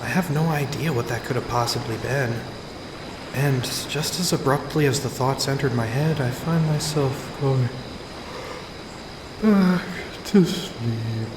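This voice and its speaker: An actor playing an affable, bemused lawyer on holiday, narrating in a wry, conversational first person in an audio drama. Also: male voice, medium pitch, a little slow, pauses often, roomy sound, background noise, close to an everyday voice. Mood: sleepy, wry.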